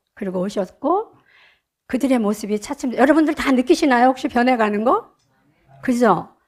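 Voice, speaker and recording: A woman with a high pitch and lively intonation speaks at a moderate pace, leaving long, frequent pauses. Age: 70s. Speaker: church deacon giving testimony. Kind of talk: testimony.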